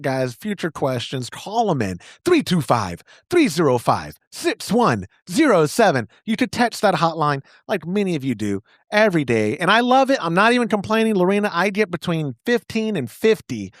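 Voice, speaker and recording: A man's voice: high voice, no echo, clean studio sound. A man co-hosting a podcast, chatting casually and joking about himself, then reading a sponsor ad. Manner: jokey, self-mocking, breaks into silly sung bits. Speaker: podcast co-host. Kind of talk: casual banter and ad reads.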